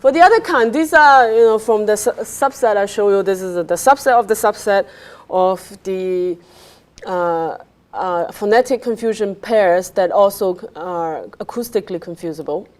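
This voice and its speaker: A woman giving a technical research talk, explaining step by step and often checking with a quick "right?". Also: mid-range voice. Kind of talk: technical lecture with questions from listeners.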